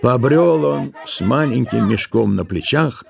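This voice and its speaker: A man narrating a literary tale for an audio drama, with expressive storytelling delivery. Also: mid-range voice, unhurried, gravelly.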